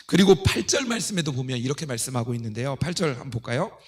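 This middle-aged pastor preaches fast in a mid-range, sing-song voice, explaining scripture from the pulpit of an indoor church. His sermon is instructive, peppered with rhetorical questions and readings he leads the congregation through.

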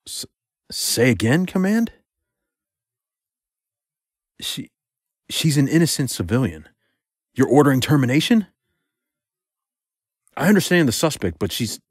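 Deep husky male spy played by an actor. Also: dry recording, clean studio sound. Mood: shocked, pleading. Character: male spy agent, protective, defiant, tender. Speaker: voice actor in an audio drama. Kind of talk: intimate spy audio drama acting.

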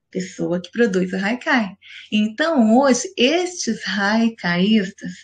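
A woman teacher with a Brazilian Portuguese accent, giving a recorded class lesson in a patient, methodical way and slowly counting things out step by step. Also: fairly high pitch.

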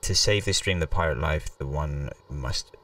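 Guy doing a slow deep pirate storybook narrator, solemn and dramatic, bit distant. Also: a bit bright, no room sound. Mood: solemn, ominous. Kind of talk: reading game text aloud.

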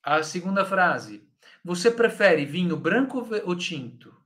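A man's voice: high voice, lively intonation, measured pace, a bit bright. A man with a Brazilian Portuguese accent teaching Italian in a live online lesson, patiently correcting students by name and checking in with "tá?".

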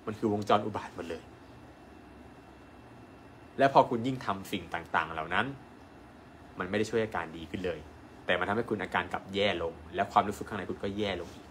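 A man, a doctor, giving an animated live-stream sales pitch and asking his viewers rhetorical questions. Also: moderate pace, long pauses, a little hiss or hum. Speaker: acupuncture doctor selling an online course.

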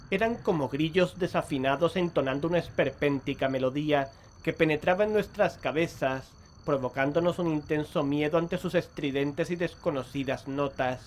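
An actor playing an uneasy investigator who tells a horror tale in a measured, literary, dramatic way. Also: male voice, a little high, slight background noise, natural voice. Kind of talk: scripted first-person horror narration.

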